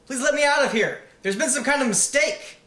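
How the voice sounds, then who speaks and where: A man's voice: high voice, expressive, unhurried, a bit bright, roomy sound, voice pushed up. A man voicing a bewildered, panicky young male prisoner who pleads anxiously.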